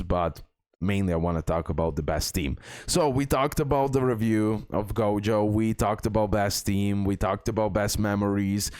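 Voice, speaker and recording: A man's voice: fairly low pitch, a little mellow, no echo, clean studio sound. A man giving casual, emphatic game guide commentary, often repeating himself as he addresses his viewers. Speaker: gaming content creator, host.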